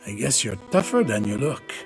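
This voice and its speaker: An actor playing a rough, wary convict door guard in a video game, blunt and coarse. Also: male voice, medium pitch, very animated, normal speed, over music. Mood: surprised, grudging.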